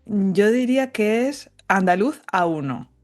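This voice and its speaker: A woman's voice: medium pitch, animated, unhurried, a little mellow, faint music behind. A Spanish woman with a light La Mancha accent, talking as a podcast guest. She articulates carefully, as a teacher would, and slips in jokes as she chats. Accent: light Castilian Spanish from La Mancha. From Spain. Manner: clearly articulated, joking and chatty. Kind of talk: casual conversational interview.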